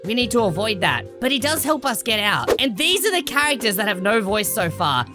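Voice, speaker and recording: A woman's voice: mid-range voice, very animated, fairly quick, music in the background. A woman hosting a gaming video with casual, explanatory commentary in an emphatic conversational way. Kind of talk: casual game lore commentary.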